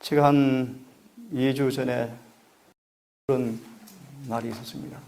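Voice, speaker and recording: A middle-aged man, a pastor, giving an earnest, measured sermon and asking the congregation for prayer. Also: medium pitch, fairly even intonation, vocal fry, mellow.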